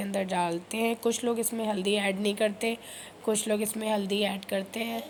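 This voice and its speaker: Her delivery is monotone and flat, with the woman holding a medium pitch. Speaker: vlogger. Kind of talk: casual cooking vlog narration.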